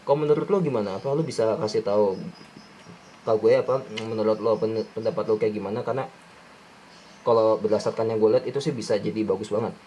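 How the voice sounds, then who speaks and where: A man's voice: on the low side, quick pace, dark tone, slight background noise, poor audio. A young man giving a casual film breakdown, rambling with many restarts and slangy fillers. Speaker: film review YouTuber.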